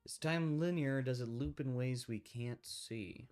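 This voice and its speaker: A man's voice: mid-range voice, unhurried, a little mellow, smooth, faint music behind. A man hosting a casual podcast, musing thoughtfully and hedging his ideas with lots of "like.". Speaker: podcast host. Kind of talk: casual faith chat.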